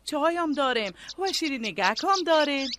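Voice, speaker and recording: A determined, hospitable village nurse with an Afghan accent and a high voice. She speaks earnestly and politely in radio drama style, with faint noise behind her. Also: expressive.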